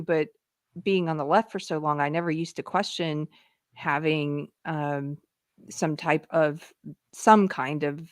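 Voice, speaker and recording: Brief: woman host, chatty and quick to laugh, fairly low voice, dry close sound. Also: no echo. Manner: chatty, laughs often, reads aloud haltingly. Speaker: podcast host. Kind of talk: casual live-stream chat, reading articles aloud.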